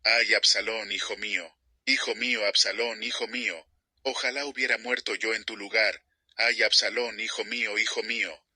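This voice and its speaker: Sad old king mourning his son, man reading it, quiet and husky. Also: fairly low pitch, steady tone, normal speed, no echo, exaggerated voice. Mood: grieving. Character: grieving aging king, a father in mourning.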